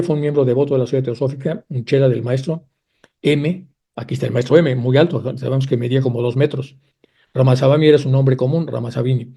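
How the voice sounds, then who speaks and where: A man giving a lecture, reading long passages aloud with frequent restarts and pauses. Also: mid-range voice, vocal fry, warm tone, husky. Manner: reads aloud a long first-person account with frequent restarts.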